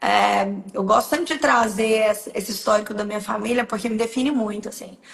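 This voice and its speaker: The speaker has a strong Goiás accent and talks at a fairly quick pace. Noticeable background noise is present. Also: woman, fairly high pitch for a woman, ordinary pitch variation. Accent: strong Goiás (goiano). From Brazil, Goiânia (Goiás). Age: 20s. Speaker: entrepreneur, fashion brand founder. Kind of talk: interview on a live stream.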